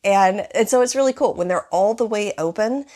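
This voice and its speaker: A woman in her thirties with a hoarse, raspy voice from bronchitis, chatting casually as she tours her small living room. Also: medium pitch, normal speed, mellow. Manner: chatty, rambling with many "like" fillers. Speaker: home vlogger. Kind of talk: casual home tour vlog.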